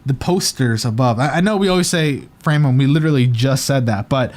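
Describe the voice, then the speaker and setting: Reviewing setups on his casual chat show, the host talks a little fast in a mid-range, slightly mellow voice. A retainer gives him a slight lisp, and his chatty delivery is hesitant and full of ums.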